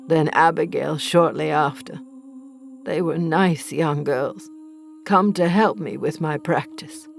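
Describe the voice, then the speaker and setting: A woman playing an accused village healer, bitter and defiant, narrating a horror audio drama gravely and deliberately in a creaky voice. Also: low voice. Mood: weary, regretful. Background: faint music.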